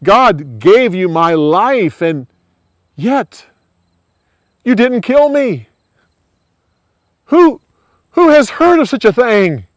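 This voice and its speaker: A humbled, remorseful old king, voiced by a male storyteller, implores in slow, swinging tones. The sound is close and dry. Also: sits high, sing-song, no room sound, voice pushed up, exaggerated voice.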